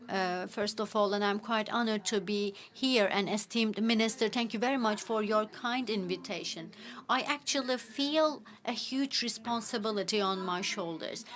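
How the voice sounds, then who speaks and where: A woman giving live spoken interpretation into English for a panel, speaking in halting phrases with frequent restarts and fillers. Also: on the high side, a bit bright.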